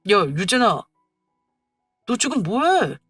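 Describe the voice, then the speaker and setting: A woman's voice: mid-range voice, very animated, slow, a bit bright, slightly rough, no room sound, soft background music, full character voice. A woman voicing a petulant young husband who scolds and whines in an exasperated way.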